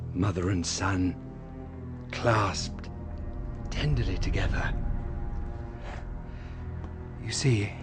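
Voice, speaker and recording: An actor playing a broken aristocratic father who speaks slowly and with icy sarcasm in a radio drama. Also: deep voice, full character voice. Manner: slow, icy, bitterly sarcastic. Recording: music score behind.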